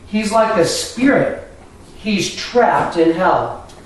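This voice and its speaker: The recording of a man carries noticeable background noise and audible room echo. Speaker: conspiracy lecturer. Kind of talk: presentation with visuals.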